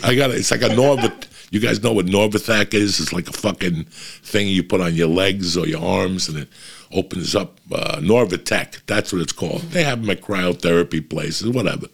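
Gravelly, foul-mouthed comic. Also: male voice, low-pitched, moderate pace. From New Jersey. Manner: profane, blunt storytelling. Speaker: comedian. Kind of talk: casual rambling monologue.

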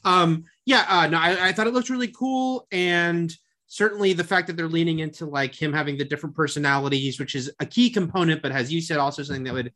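A man's voice: fairly high pitch, quick pace, sharp tone. A man co-hosting a podcast in casual chat, chatty and full of fillers and restarts. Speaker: podcast co-host.

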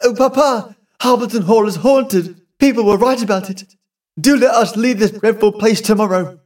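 A man's voice: high-pitched, lively intonation, moderate pace, a little mellow, slightly rough, far from the mic, voice pushed up. A male narrator voicing an anxious young woman who pleads and describes a ghost. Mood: frightened. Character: frightened young woman, the daughter.

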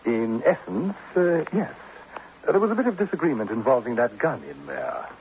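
An actor playing a smug, florid older killer, mocking and very pleased with himself, in 1950s radio acting. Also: male voice, medium pitch, big pitch swings, normal speed, lightly acted. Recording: tinny, lightly hissy old radio broadcast.

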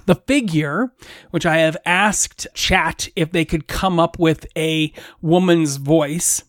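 A game master narrating a streamed tabletop game, descriptive and playful with quick asides. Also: mid-range voice, dry recording, clean studio sound.

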